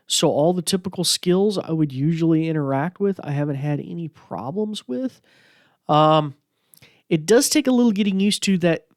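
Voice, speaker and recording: In a clean studio recording with no echo, a man hosting a podcast chats loosely and meanders through lots of fillers as he shows off a gadget. His pitch is fairly high.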